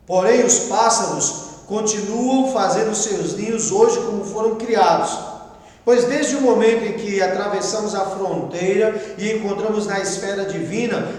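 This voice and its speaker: A Brazilian man teaching a Bible class as pastor, reading a text and explaining it in a conversational way with quiet asides. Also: sits high. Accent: Brazilian Portuguese. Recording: echoey room with long reverb.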